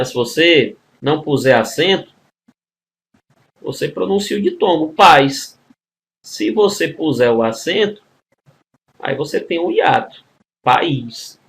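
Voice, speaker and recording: A medium-pitched male voice with a Brazilian Portuguese accent leads a grammar lesson for exam preparation, recorded as a video with slight background noise. Speaking to the class as a group, he takes each question step by step and keeps tossing in tag questions to check they follow.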